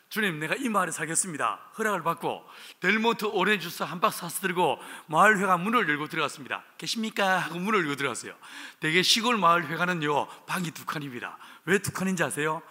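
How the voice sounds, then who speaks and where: A male pastor with a Gyeongsang accent preaching a revival sermon, telling stories with animated humor. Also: sits high, breathy edge. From Jinju, South Korea. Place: church sanctuary. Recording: reverberant church hall.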